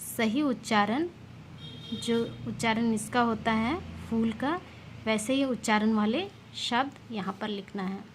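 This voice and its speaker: A woman teacher reading a children's lesson aloud, sounding out each word slowly and clearly for young pupils. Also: fairly high pitch, slight background noise. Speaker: school teacher.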